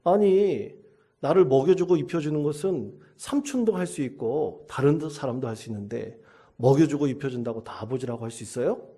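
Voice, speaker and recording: A man's voice: medium pitch, normal speed, warm tone, husky. A man voicing a cheeky young boy who talks back boldly to his father. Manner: bold, impudent retorts.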